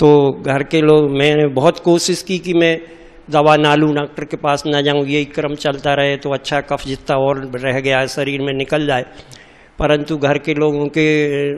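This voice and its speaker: Against noticeable background noise, a man with a fairly high pitch speaks in a monotone, flat way. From central India, Madhya Pradesh (Hoshangabad district). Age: 60s. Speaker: teacher, seminar participant. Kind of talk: testimony. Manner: halting.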